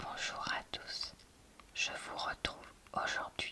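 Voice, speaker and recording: A woman is whispering at a very slow pace. Noticeable background noise is present. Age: 30s. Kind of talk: ASMR book review talk to camera. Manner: whispered.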